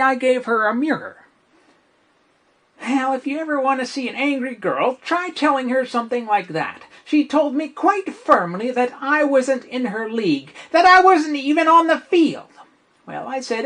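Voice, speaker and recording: A man's voice: very high-pitched, full character voice. A man playing a chatty, self-assured teenage schoolboy in a wry comic stage monologue. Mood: cheeky, smug. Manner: animated, wry, conversational storytelling.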